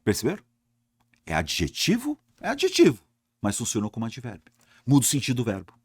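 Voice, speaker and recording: Guy teaching grammar for exams, lowish voice, bounces around a lot, chatty, asks himself stuff. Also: quick pace, slightly rough, dry recording, studio quality. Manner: lively, talks to class directly, asks and answers himself. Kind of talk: exam-prep grammar lesson.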